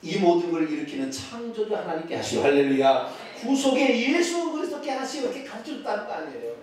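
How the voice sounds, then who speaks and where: A fast-talking pastor preaches a sermon in a regional Korean dialect, his high, animated voice ranging from loud outbursts down to near-whispers. He stands far from the mic, and the sanctuary around him echoes strongly.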